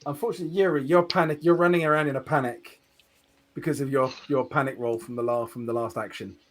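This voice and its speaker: A man's voice: mid-range voice, fairly even intonation, fast talker. A man running a tabletop horror game as game master, describing scenes with fillers and restarts.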